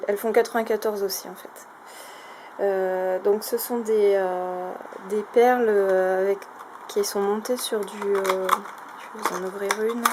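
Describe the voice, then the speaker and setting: A woman casually showing a craft shopping haul, talking in a chatty, hesitant way with many fillers. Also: mid-range voice. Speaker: craft vlogger. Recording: noisy home recording.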